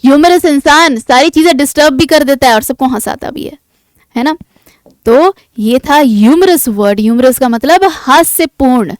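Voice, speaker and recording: A woman with an Indian accent teaching English vocabulary in a lecture, asking the class questions and answering them herself, reading definitions slowly and deliberately. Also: high-pitched, expressive, dry recording.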